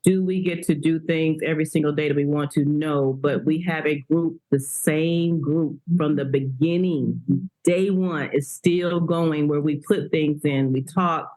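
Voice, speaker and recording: A woman with a fairly low voice who tells her stories with energy. She laughs easily and stays relaxed in a casual podcast conversation. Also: measured pace, rough recording. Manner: animated storytelling, frequent laughter. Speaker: guest.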